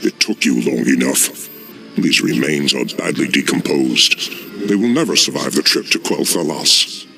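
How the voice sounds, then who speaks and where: An actor playing a scheming male dreadlord demon in a game cutscene, speaking in a slow, measured, menacing way. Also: a bass voice, animated, vocal fry, over music, full character voice. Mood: sinister. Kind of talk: video game cutscene acting. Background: orchestral score.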